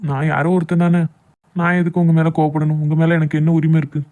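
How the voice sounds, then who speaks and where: Man acting a fast-talking, hurt young Tamil lover. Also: fairly high pitch, little pitch movement, darkish tone, lightly acted. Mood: hurt, sarcastic. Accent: southern Tamil Nadu Tamil. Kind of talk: amateur cartoon love drama voice acting.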